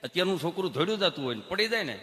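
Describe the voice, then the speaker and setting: A man's voice: high-pitched, racing, long reverb tail. A man telling comic stories on stage and acting out the people in them. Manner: animated, acts out mothers, children and doctors. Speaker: stand-up comedian. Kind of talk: Gujarati folk comedy storytelling.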